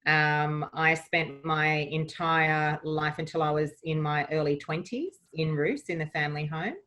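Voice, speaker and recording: An Australian woman in her forties, guesting on a podcast, chats casually and upbeat as she reminisces about her childhood. Her voice is deep and fairly bright, with fairly even intonation at a measured pace.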